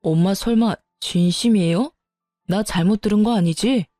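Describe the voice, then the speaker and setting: A woman's voice: medium pitch, moderate pace, no echo, studio quality, faint music behind, lightly acted. Woman voicing a hot-tempered young husband. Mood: indignant. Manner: loud, indignant, pleading with his mother. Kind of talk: audio drama story reading.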